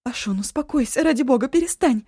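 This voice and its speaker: A woman voicing a timid, anxious young woman who speaks cautiously and sometimes breaks into shouts. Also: medium pitch, normal speed, breathy edge, no echo, clean studio sound, voice pushed up, close to an everyday voice. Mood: shouting.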